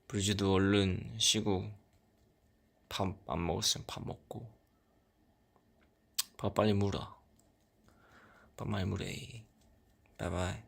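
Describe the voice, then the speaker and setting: A young man chatting casually with fans on a livestream, soft-spoken and short on sleep, often dropping into a near whisper. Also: low voice, gravelly. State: sleep-deprived. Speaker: idol on a fan livestream. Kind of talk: casual livestream chat reading fan comments.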